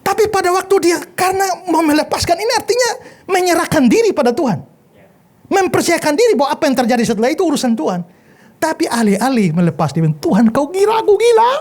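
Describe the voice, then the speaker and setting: A male pastor teaching a Bible class in an animated, storytelling manner. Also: extremely high pitch, fast. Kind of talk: sermon-style Bible lesson with storytelling.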